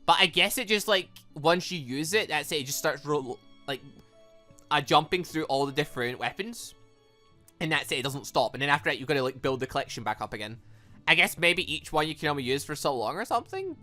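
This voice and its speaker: A gaming video host giving casual let's play commentary, chatty, rambling and excitable, thinking aloud as they go. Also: medium pitch, brisk, soft background music.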